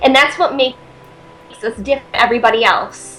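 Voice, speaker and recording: A woman with a New England accent speaks at a high pitch over noticeable background noise. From Connecticut. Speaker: angel messenger and medium. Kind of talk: channeled message reading.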